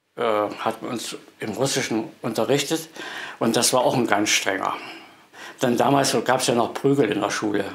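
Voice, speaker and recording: A man's speech is broken by long, frequent pauses, with noticeable background noise in the recording. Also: medium pitch for a man, fairly even intonation, moderate pace. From rural eastern Germany, near Magdeburg. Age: 80s+. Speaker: contemporary witness. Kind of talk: interview, personal memories. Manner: hesitant, with fillers and restarts.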